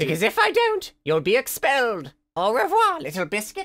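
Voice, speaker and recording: A man puts on a cartoonish character voice with a high pitch. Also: moderate pace. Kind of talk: comic puppet sketch. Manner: grandly cheerful, whimsical.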